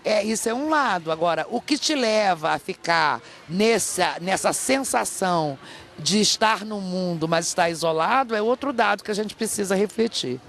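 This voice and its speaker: A woman's voice: medium pitch, expressive, moderate pace, fairly bright tone. A middle-aged Brazilian woman, an academic guest giving emphatic, explanatory interview answers in Portuguese with rhetorical check-ins. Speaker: academic guest, professor and author. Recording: clear ambient background noise.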